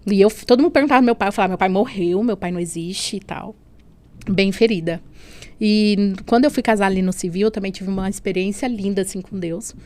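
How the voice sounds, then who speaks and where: Speaking quickly in a darkish mid-range voice, a woman from Brazil recounts her faith testimony on a podcast. She's earnest and emotional, frequently tacking on "né?" and using "assim."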